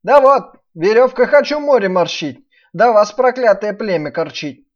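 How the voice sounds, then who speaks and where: A woman's voice: mid-range voice, animated, normal speed, pitched above the performer's own voice, lightly acted. Storybook peasant trickster, a man played by a woman: brash, taunting, swooping intonation, dull sound. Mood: threatening. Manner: taunting, commanding. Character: cunning brash peasant workman, mocking and bossy. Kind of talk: dramatised fairy-tale reading.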